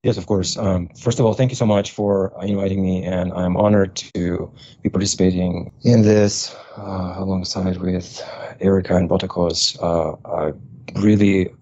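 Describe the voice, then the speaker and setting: A man in his forties from Kazakhstan, a professor and guest, answering in a reflective, halting way as he searches for words. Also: low voice, fairly even intonation, warm tone, muffled recording. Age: 40s.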